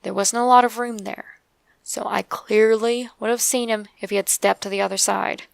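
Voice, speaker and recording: A woman with an Appalachian accent narrates a first-person scary story in a creaky voice, measured and with dramatic pauses. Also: medium pitch, fairly even intonation, dry recording. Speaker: narrator of true scary stories.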